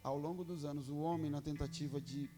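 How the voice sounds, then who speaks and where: A man's voice: fairly high pitch, steady tone, fairly quick, loud music behind the voice. A man with a Brazilian Portuguese accent preaching a sermon in church, earnest and fervent, moving into a prayer that keeps returning to "Father".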